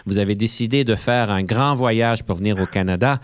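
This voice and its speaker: A man's voice: fairly low pitch, normal speed, no echo. A man hosting an interview in a studio, opening formally and then asking questions. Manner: formal, welcoming introductions. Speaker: host. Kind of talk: hosted interview.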